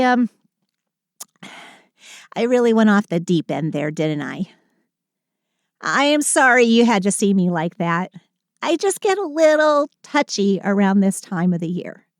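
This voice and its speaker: A woman's voice: mid-range voice, no room sound, studio quality. A woman playing a short, sulky but affectionate Christmas elf in an intimate audio roleplay, with dramatic sighing complaints and fond endearments. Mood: sheepish.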